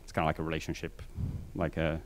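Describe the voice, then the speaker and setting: A middle-aged man from Brazil with a mixed Brazilian accent gives a casual conference talk on a stage with a handheld mic, quick and full of fillers. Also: rumbling low, monotone, slight background noise. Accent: Brazilian Portuguese mixed. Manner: fast, filler-heavy, self-deprecating. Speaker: conference speaker. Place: large conference hall stage.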